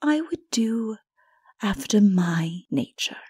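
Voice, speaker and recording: A woman voicing a proud, tyrannical princess in a dark fantasy audiobook, with a forceful, haughty delivery. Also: medium pitch, expressive, takes it slowly, breathy edge. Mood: cold defiance. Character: defiant proud wicked princess, tyrannical and unrepentant.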